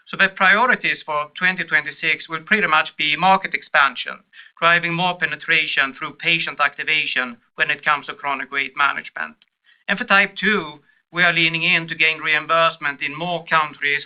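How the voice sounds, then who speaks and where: A man's voice: a little high, clear, resonant tone. A male company executive presenting business priorities on an earnings call, over muffled conference audio.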